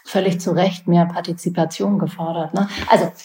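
A woman's voice: lowish voice, fairly even intonation, fairly quick, dark tone, reverberant, a little hiss or hum, poor audio. A woman in her forties from Berlin, an interview guest and author, telling personal memories thoughtfully and often restarting her sentences. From West Berlin, Germany. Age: 40s. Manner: thoughtful, searching for words, frequent restarts. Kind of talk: reflective personal storytelling.

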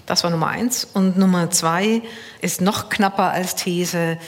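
A woman critic lays out her theses deliberately and carefully, her lowish voice carrying a long reverberant tail. It sounds like a radio panel discussion. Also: fairly even intonation. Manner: measured, deliberate, presenting theses. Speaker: literary critic guest.

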